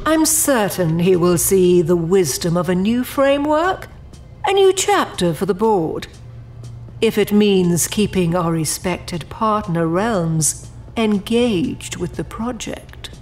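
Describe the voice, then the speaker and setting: A woman playing a diplomatic noblewoman who presides over an otherworldly board in an audio drama, speaking formally and with measured care. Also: mid-range voice, lively intonation, a little mellow. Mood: gracious, composed. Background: music.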